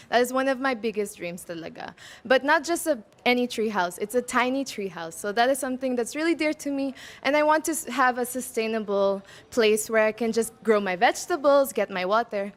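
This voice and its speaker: Bubbly twenty-something woman from macau, pageant interview answers, fairly high voice, tagalog words slipped in. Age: 20s. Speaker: pageant candidate.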